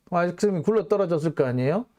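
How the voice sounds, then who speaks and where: A man's voice: lively intonation, very fast, dark tone. Blunt, scornful middle-aged man commentator. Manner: blunt, scornful, mimics others in a high voice. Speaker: political commentary host. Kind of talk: opinionated political monologue.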